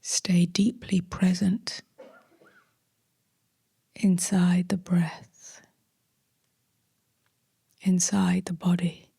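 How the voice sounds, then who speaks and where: Slow, breathy woman guiding meditation. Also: lowish voice, little pitch movement, no echo. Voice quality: soft, breathy. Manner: gentle, hushed, long pauses between short phrases. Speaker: meditation teacher. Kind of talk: guided meditation.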